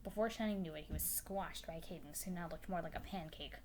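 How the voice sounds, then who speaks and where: A woman's voice: lowish voice, a little fast, a little hiss or hum. A woman narrating a fan story as a dramatic reading. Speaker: story reader.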